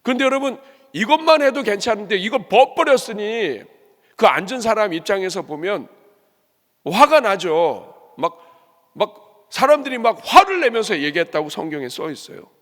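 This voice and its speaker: A man preaches a sermon from a church pulpit in a slightly high voice that swings widely in pitch. He questions his listeners directly and acts out the grumbling of others. A long reverb trails each phrase through the sanctuary. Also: normal speed. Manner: lively, asks the congregation questions and acts out complaints. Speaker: pastor.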